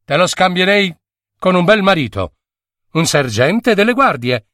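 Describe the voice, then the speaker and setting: Man as haughty impatient queen, storybook reading, raised pitch, dry close sound. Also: big pitch swings, unhurried, fairly bright tone, no echo, exaggerated voice. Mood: coaxing.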